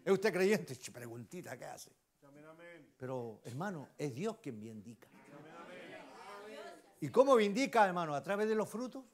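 A man with a Chilean accent preaching a sermon, often turning to the congregation with questions and swinging between loud exclamations and hushed asides. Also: a little high, big pitch swings, unhurried, long pauses. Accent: Chilean Spanish. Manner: emphatic, keeps asking the congregation rhetorical questions. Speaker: lay preacher.

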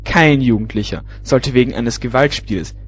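A man's voice: medium pitch, moderate pace, faint music behind, natural voice. A man playing an earnest, self-important youth-protection official giving a formal statement in a cartoon satire. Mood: solemn, pompous. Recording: muffled, faintly noisy home recording.

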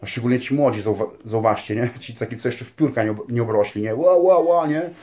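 A man's voice: lowish voice, fairly even intonation, fast talker, darkish tone. A man speaking earnestly in a casual spiritual monologue, rambling with many fillers and tag questions and calling his listeners dear ones. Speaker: religious vlogger.

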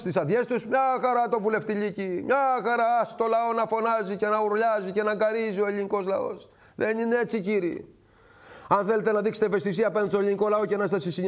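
A middle-aged man hosting a TV current-affairs show, delivering an indignant political monologue full of rhetorical questions and long lists. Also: sits high. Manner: indignant, rhetorical, repetitive lists and direct address. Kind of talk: impassioned political commentary monologue.

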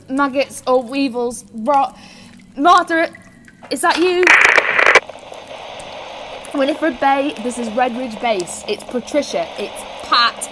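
A woman's voice: high-pitched, slow, long pauses. A woman playing an urgent, foul-mouthed Arctic research scientist in an audio drama. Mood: irritated, urgent. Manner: urgent, sweary, breaking into cries. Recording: very noisy radio-drama sound, clicks.

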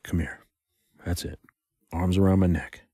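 A man's voice: deep voice, fairly even intonation, measured pace, warm tone, slightly rough, no echo, clean studio sound, heavily acted. A man playing a flirtatious, protective spy with a hot temper in an audio drama. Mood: gentle, reassuring. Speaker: voice actor in a fan audio drama. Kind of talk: audio drama acting, intimate.

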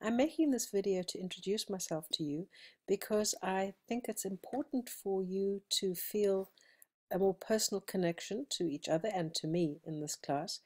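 A woman's voice: medium pitch, warm tone. South African woman instructor, chatty. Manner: conversational, with frequent ums and restarts. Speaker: college instructor. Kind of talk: friendly self-introduction screencast. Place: indoors at a computer, seated. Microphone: webcam recording.

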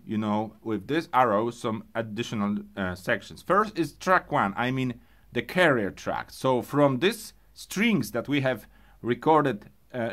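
A man who speaks English as a second language, presenting an unscripted hands-on music gear tutorial in a halting way, thinking aloud. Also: medium pitch, a bit bright. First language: not English.

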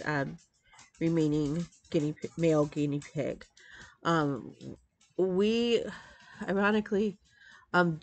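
A woman in her forties with a congested, nasal voice, chatting casually to a webcam at home, rambling with many ums and restarts. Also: on the low side. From Metro Detroit, Michigan. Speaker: crafting vlogger. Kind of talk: casual chat to camera. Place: home craft room, indoors. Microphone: webcam at desk.

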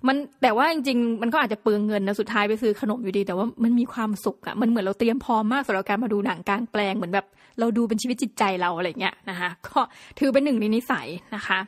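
A woman hosting a podcast, telling chatty and playful stories with lively exclamations. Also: mid-range voice, fast talker, no room sound, studio quality. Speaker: podcast host. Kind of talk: casual solo podcast talk.

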